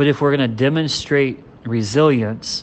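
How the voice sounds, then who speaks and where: A man with an ordinary speaking voice at a moderate pace. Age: 30s. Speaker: basketball coach. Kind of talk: monologue talk.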